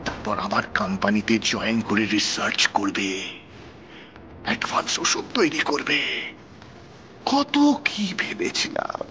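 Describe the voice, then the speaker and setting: A man's voice: on the low side, normal speed, noisy background, lightly acted. An actor playing a ruthless, scheming male businessman villain in a TV serial, with a menacing manner. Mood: self-pitying. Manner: menacing, pleading then threatening. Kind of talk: TV serial acting. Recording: music underneath.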